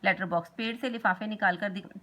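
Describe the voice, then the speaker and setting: A woman's voice: medium pitch, fast talker, a bit bright. A woman reading a school play aloud for class, plainly naming each speaker and the stage directions. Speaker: reader of a school text.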